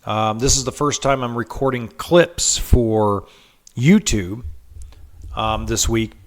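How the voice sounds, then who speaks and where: A man with a stuffy head cold talks through a casual podcast monologue, pitch sitting right in the middle for a man. He tells a story loosely, with ums and restarts along the way. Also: slow pace. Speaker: podcast host.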